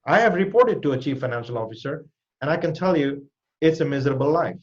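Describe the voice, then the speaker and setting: A man hosting a live online Q&A as a cybersecurity educator, giving direct, emphatic advice with quick lifts in pitch. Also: animated, dull audio. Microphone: video call.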